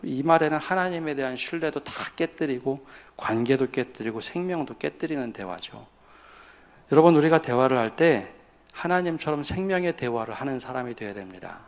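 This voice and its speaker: A man's voice: medium pitch, lively intonation, normal speed. A male pastor preaching at a midweek church prayer service, often putting questions to the congregation and then answering them himself. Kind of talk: sermon.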